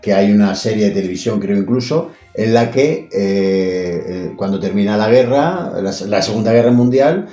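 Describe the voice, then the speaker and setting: A man leads a relaxed conversation about novels, asking questions and thinking out loud. His voice is low and mellow. The room sounds echoey, with faint music underneath. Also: normal speed, hardly any pauses. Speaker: host. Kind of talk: casual chat about books.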